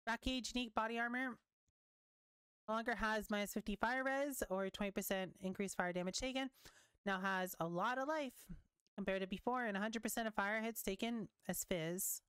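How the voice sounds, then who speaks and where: A young woman giving casual commentary while reading patch notes, chatty and quick to react, swearing now and then, her voice wearing thin. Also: medium pitch, fairly bright tone, clear, resonant tone, no room sound. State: losing her voice. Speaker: gaming content creator.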